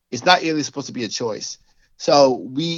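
A man with a normal speaking voice talks at a fairly quick pace and medium pitch. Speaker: author. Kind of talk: casual chat. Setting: video call.

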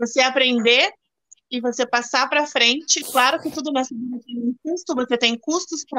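Heard with a dry, close sound and no echo, a woman with a high pitch and a bright, sharp tone speaks at a moderate pace with ordinary pitch variation. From Paraná, Brazil (Curitiba area). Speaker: mother of child with type 1 diabetes. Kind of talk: interview.

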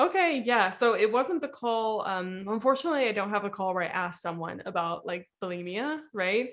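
In a Midwestern US accent, a woman talks at a moderate pace with hardly any pauses. Her fairly high voice has lively intonation. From US Midwest. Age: 20s. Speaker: bulimia recovery coach and podcaster. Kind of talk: casual interview chat.

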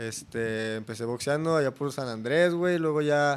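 A man with a normal speaking voice and medium pitch talks slowly, at a fairly slow pace, using ordinary pitch variation. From Guadalajara, Mexico. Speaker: rapper. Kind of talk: casual chat.

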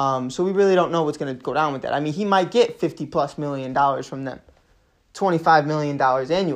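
Fairly high-pitched man in an animated tone with a slight Chicago accent, fairly quick pace, ordinary pitch variation and quiet background. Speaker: sports podcast host. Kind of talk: solo sports commentary podcast. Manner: animated, casual with many fillers.

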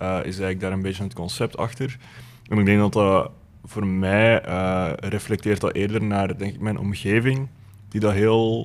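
In a very clean recording with a silent background, a man talks in an ordinary speaking voice at a fairly low pitch. His pace is fairly slow and his intonation fairly even. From Belgium, Antwerp. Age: 20s. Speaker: musician and graphic designer. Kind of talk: interview.

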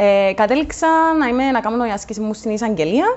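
Her intonation lively, a woman speaks with a Cypriot accent. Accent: Cypriot Greek. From Cyprus. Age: 20s. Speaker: lawyer and election candidate. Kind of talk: casual interview.

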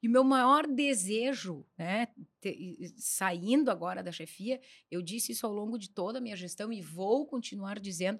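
At a fairly slow pace, a woman with a medium pitch speaks in an unremarkable speaking voice. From interior of Rio Grande do Sul, Brazil. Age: 40s. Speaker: former police chief. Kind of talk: interview.

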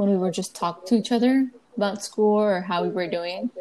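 Fairly even in intonation, a woman with an American accent speaks at a medium pitch in a dark, mellow tone. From Dallas, Texas. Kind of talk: casual chat.

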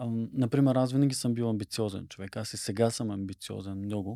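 A man's fairly low, dark, mellow voice at a fairly quick pace, with fairly even intonation and a dry, close sound with no echo. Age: 30s. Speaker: podcast host. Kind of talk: casual chat.

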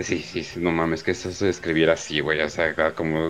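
Music plays in the background as a man speaks. His pitch is very deep and low, and his pace is fairly quick. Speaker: podcast co-host. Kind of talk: casual chat. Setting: live stream.

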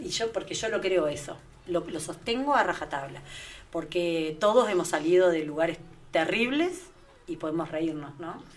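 A woman with a plain, everyday voice speaks at a fairly low pitch and a moderate pace, with ordinary pitch variation. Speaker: comedic actress. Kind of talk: radio interview.

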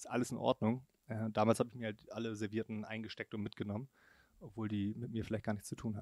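Speaking very fast in a flat monotone at medium pitch, a man is heard in a dry, close sound with no echo. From Germany. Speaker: podcast co-host, entrepreneur. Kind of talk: casual chat.

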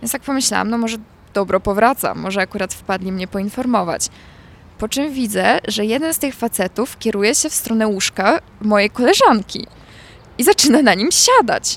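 Fairly quickly, a woman talks in a dry, close sound with no echo. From Poland, Szczecin. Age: 20s. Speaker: fashion podcaster and student. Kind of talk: casual chat.

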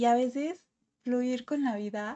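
A woman speaks at a high pitch with ordinary pitch variation. The background is quiet. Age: 20s. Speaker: podcast host. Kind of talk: monologue.

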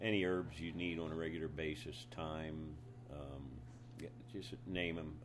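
A man speaks fairly slowly in a very deep, low voice with vocal fry, ordinary pitch variation and long, frequent pauses. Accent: American. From US Northeast (Pennsylvania). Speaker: homesteader and Marine Corps veteran. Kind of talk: casual interview.

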